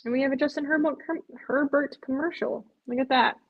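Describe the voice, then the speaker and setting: A woman's voice: high-pitched, steady tone, brisk, muffled recording. A woman hosting a live stream, chatting casually with viewers, sounding tired and rambling. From Chicago area. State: drowsy, yawning.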